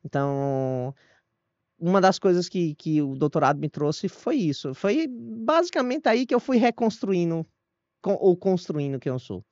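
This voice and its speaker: Guy w/ northeastern brazilian accent telling his story, lively, bit muffled and dry sounding. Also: high-pitched, measured pace, no echo. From Northeast Brazil (Paraíba, Ceará). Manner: animated, self-deprecating, frequent restarts and laughs. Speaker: guest historian. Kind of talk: relaxed storytelling in an interview. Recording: dull lo-fi dry audio.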